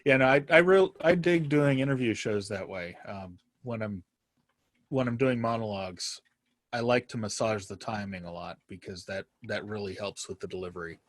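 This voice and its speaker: A man talking casually as an interview guest, halting and circling his point before landing on it. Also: lowish voice, dry recording. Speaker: podcast guest, writer and podcaster.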